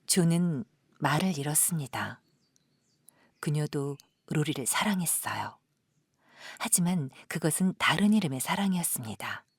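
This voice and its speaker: A woman narrating a literary audio drama in a soft, measured, dramatic storytelling style. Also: sits low, lively intonation, husky, dry recording.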